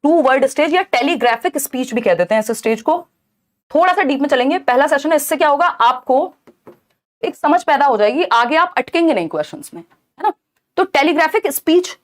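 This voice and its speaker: A young adult woman teacher giving an exam-prep lecture, explaining step by step and often checking in with her students. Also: high voice.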